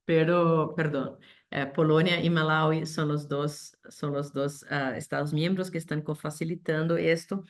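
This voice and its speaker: A woman's voice: sits low, fairly even intonation, unhurried. A woman giving a panel presentation over a video call, speaking Spanish as a second language, hesitant with many fillers and restarts. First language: not Spanish. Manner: hesitant, many fillers and restarts, code-switches English terms.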